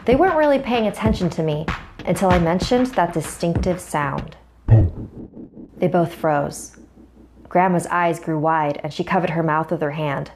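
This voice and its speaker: A young woman with a somewhat low voice tells a scary first-person story over a music bed. Her delivery is measured and suspenseful.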